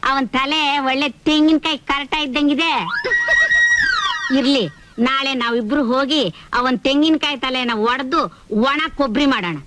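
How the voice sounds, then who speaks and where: A woman's voice: high voice, moderate pace, a bit bright, a little hiss or hum. An actress playing a doting old grandmother in her sixties or older who mishears and teases. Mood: teasing. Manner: teasing, half-deaf mishearing.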